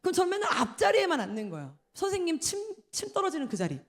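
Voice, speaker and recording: A woman's voice: very high-pitched, huge pitch swings, fast talker. A woman in her forties preaching a sermon in a church, telling stories and acting out the voices she quotes. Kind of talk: sermon at an evening prayer meeting.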